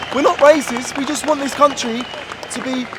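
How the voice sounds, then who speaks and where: Over crowd noise in the background, a man with an English accent talks at a fairly quick pace in an extremely high pitch. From England. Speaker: rally attendee. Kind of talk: street interview. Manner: animated.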